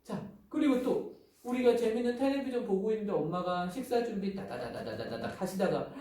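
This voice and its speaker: A man, a pastor, giving an animated children's sermon and acting out the voices in his stories. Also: high-pitched, brisk. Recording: echoey room, voice from a distance.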